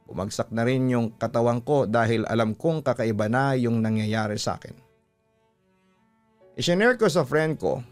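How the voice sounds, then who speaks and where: A man's voice: mid-range voice, darkish tone. A man with a Filipino accent, a radio host reading a listener's letter as a dramatic first-person story.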